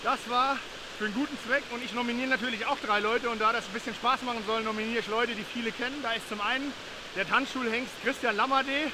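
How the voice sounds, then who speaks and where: A man in his thirties talking casually to camera outdoors, with a fountain rushing behind him. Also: very high-pitched, fairly even intonation. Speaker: DJ taking a charity challenge on camera. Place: outdoors by and in a large city fountain. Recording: loud rushing fountain water and hiss. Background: splashing fountain.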